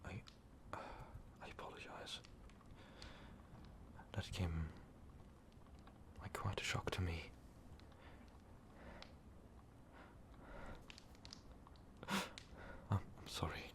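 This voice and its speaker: Shaken and apologetic, a man playing a lovestruck vampire overlord who regrets his ruthless conquests speaks to the listener in an ASMR monologue. His tone is steady, his low voice breathy, whispery and gravelly, and his formal confession comes slowly and haltingly.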